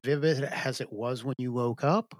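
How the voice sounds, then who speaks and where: A man's voice: mid-range voice, moderate pace, dry recording, studio quality. A man co-hosting a podcast discussion, asking curious follow-up questions. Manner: inquisitive, asks follow-up questions.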